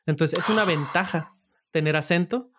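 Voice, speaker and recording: Joking man, high voice. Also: normal speed, fairly bright tone. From Latin America. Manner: joking, easygoing. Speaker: podcast host. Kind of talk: casual podcast chat.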